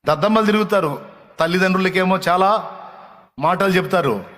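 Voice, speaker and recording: A man's voice: high voice, a little fast, a bit bright. A man preaching a sermon as a pastor, scolding and emphatic, repeating words and phrases. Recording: long hall reverb.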